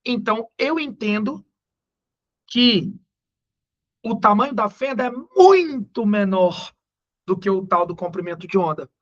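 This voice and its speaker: A man with a Brazilian accent teaching physics in a recorded lesson. He talks in a slangy, joking way and slows down to stress the key numbers. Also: high-pitched, animated, lo-fi sound. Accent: Brazilian Portuguese.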